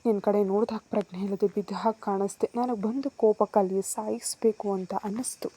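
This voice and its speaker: A woman's voice: mid-range voice, fairly even intonation, fairly quick, mellow, slight background noise, lightly acted. A woman voicing a protective, loving young husband who teases and scolds, in a storybook reading. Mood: serious. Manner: teasing, scolding.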